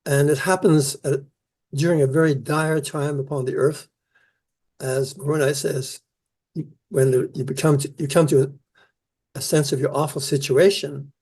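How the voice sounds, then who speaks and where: An older man, born in the Netherlands and raised in New Zealand, answering interview questions about his scripture research in an earnest, measured way. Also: on the high side, fairly even intonation, darkish tone, husky. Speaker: Isaiah scholar, keynote speaker.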